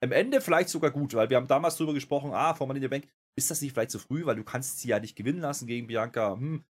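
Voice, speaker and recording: A podcast host with a mid-range voice talks very fast in casual chat on a wrestling review podcast. He rambles, full of fillers and self-corrections.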